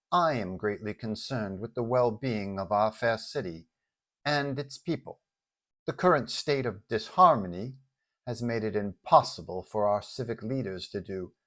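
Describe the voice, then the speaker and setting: Villainess, voiced by a man: quiet, measured, formal revolutionary mastermind for a superhero story, calculating and composed. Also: mid-range voice. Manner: measured, formal, soft-spoken.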